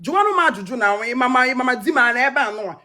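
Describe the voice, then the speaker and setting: A woman's voice: sits high, expressive, very fast, sharp tone. A woman with a Nigerian West African accent, a native Igbo speaker, talking insistently and pleadingly.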